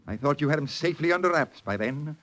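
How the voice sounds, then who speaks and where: An imperious studio boss. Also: male voice, fairly high pitch, lively intonation, fast, fairly bright tone. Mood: scornful. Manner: scornful, threatening. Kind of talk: 1940s radio acting.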